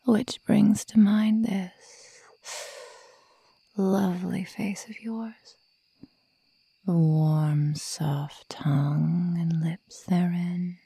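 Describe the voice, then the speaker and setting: Lady doing a sadistic werewolf girl for asmr, low creaky whispery voice, taunting, super close and dry. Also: steady tone, dark tone, no echo, heavily acted. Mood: cruel, playful. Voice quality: breathy, whispery. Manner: slow, taunting, menacing. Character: sadistic young female werewolf toying with her prey. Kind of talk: ASMR roleplay. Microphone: close microphone, dry.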